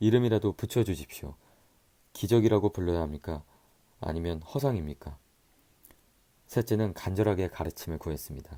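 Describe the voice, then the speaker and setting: A man's very deep, low voice with a dark, mellow tone, lively intonation, and a fairly quick pace broken by long, frequent pauses. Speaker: audiobook reader. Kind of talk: novel reading. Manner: soft-spoken.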